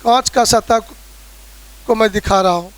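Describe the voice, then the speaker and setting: A man's voice: sits high, unhurried. A man with a Bihari Hindi accent teaching a physics lesson, explaining with everyday examples and often checking in with his students. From Bihar, India. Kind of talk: classroom lecture.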